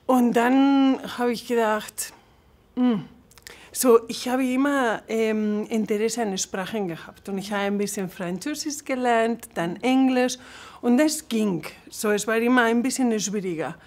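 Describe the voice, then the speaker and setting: A woman's voice: a little high, measured pace, a little mellow. A woman in her forties from Spain, speaking German with a Spanish accent as an interview guest, hesitating with many fillers and laughing often. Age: 40s. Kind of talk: casual interview, non-native German.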